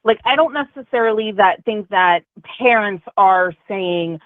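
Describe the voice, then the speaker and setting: A woman's voice: mid-range voice, unhurried, no room sound. A woman calling in to a talk show, speaking casually and hesitantly, often restarting her sentences. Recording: narrow phone line.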